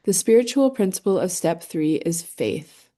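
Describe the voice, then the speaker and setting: A woman leading a guided meditation, speaking gently and soothingly in short phrases with long, unhurried pauses. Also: lowish voice, expressive.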